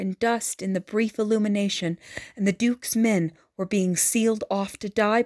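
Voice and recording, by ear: The text is read aloud in a natural voice, and the intonation stays fairly even.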